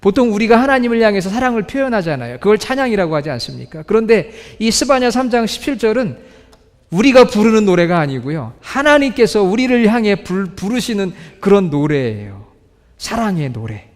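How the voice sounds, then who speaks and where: High-voiced male pastor, reverberant hall. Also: very animated. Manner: asks the congregation questions, reads scripture slowly. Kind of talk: sermon. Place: church sanctuary.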